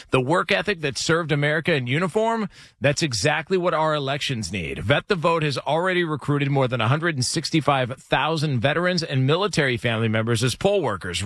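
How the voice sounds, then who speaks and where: A man hosting a sports radio show, reading results and ad copy in a brisk, conversational way from a studio microphone. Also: a little high, fairly bright tone, no echo. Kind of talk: reading ads and results on air.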